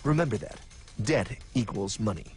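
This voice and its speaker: A man's voice: lowish voice, expressive, normal speed, natural voice. A man voicing a cocky cartoon guide who narrates in a pompous, mock-solemn and slangy manner. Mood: knowing. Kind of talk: cartoon narration in mock vintage television style. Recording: prominent music behind the voice.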